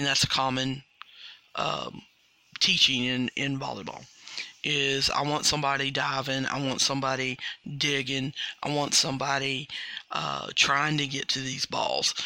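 A man's voice: medium pitch, vocal fry, bright, forceful tone, clear, resonant tone, dry recording. A man hosting a coaching podcast, speaking in an earnest casual monologue, asking his listeners rhetorical questions and often repeating words as he restarts his sentences.

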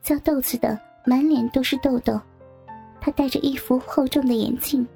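A woman narrating a first-person story softly, with music behind. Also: high voice, fairly even intonation, normal speed, gravelly.

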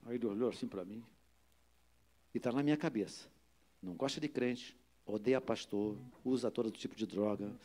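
A man with a Brazilian accent, a pastor preaching a sermon and telling a lively story, acting out the people in it. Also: medium pitch, normal speed, pauses often.

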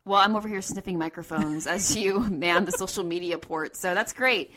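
A woman's voice: fairly low pitch, normal speed, a bit bright. A woman in her thirties co-hosting a podcast in casual banter, with a playful, self-mocking way of talking. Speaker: podcast co-host.

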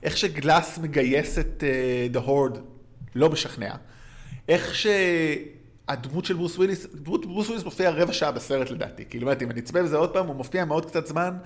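Rambling man chatting about a film. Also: on the high side. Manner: rambling, many fillers and restarts, laughs often. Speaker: podcast co-host. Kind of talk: casual film discussion.

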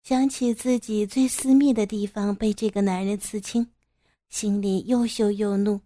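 A woman narrating an audio story in a steady, even storytelling manner. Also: medium pitch, unhurried.

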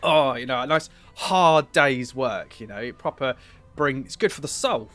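A man's voice: mid-range voice, animated, moderate pace, a bit bright, faint music behind. A man playing a tabletop game, cheery and rambling. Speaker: player.

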